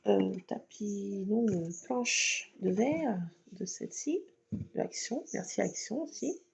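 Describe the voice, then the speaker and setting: A woman's voice: mid-range voice, animated, takes it slowly, gravelly, a little mellow. A woman chatting through a crafting tutorial at home, explaining each step with lots of fillers. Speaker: craft vlogger. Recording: dull lo-fi sound with faint noise.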